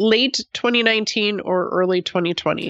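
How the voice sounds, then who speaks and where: Her pitch varies in an ordinary way as the woman talks with an American accent. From US Northeast, Buffalo, New York. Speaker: nurse and celiac consultant. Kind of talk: interview.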